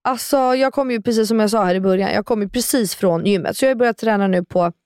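A woman's voice: mid-range voice, a little mellow, smooth, dry recording, studio quality. A young woman co-hosting a podcast in casual chat, supportive and talkative. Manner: supportive listener, many "mm", chatty. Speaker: podcast co-host.

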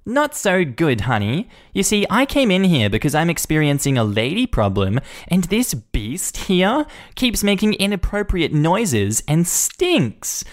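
A man's voice: a little high, huge pitch swings, a little slow, few pauses, pitched above the performer's own voice. A man voicing a rude, entitled middle-aged woman who screeches and sneers at everyone. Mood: indignant.

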